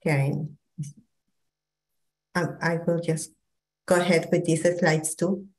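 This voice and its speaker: A woman's voice: low voice, steady tone, takes it slowly, low-quality recording. Peruvian woman presenting over video call. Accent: Peruvian Spanish. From Peru. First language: Spanish. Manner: warm, hesitant with many fillers and restarts. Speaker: psychologist presenter. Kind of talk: online training presentation.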